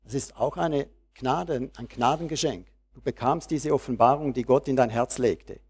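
A man delivering a sermon at an even, middle pitch. He slows down to read scripture aloud with care, then shifts to a freer, conversational address aimed straight at his listeners. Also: slightly rough. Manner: reads scripture slowly, then talks freely to the congregation. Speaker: preacher.

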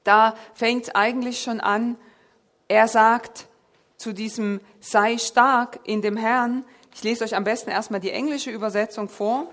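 A woman's voice: fairly high pitch, fairly even intonation, measured pace, fairly bright tone. A woman preaching a sermon, speaking directly to the congregation, reading scripture aloud and explaining Greek words. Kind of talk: sermon with Bible exposition.

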